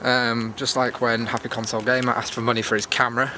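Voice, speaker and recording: A British man hosts a casual vlog on foot in a bright, edgy voice. He talks in a chatty, meandering way, thinking aloud as he goes. The recording is made outdoors, with noticeable ambient noise behind him. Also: mid-range voice, flat delivery, fast talker. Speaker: YouTube vlogger and host. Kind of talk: rambling casual walk-and-talk vlog. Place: outdoors on a cold evening walk. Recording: clear outdoor background noise.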